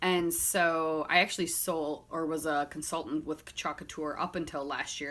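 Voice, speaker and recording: A woman with a strong Minnesotan accent speaks at a moderate pace in a fairly low voice. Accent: thick Minnesota. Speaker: scrapbooking YouTuber. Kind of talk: casual chat. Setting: home craft room. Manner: rambling, filler-heavy.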